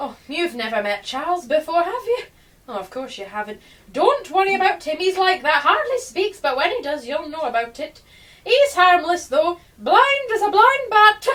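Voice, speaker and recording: Using a put-on character voice, a woman goes extremely high in pitch with very wide pitch swings, sounding breathy at a moderate pace. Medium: audio drama. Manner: airy, affectionate, nonsensical.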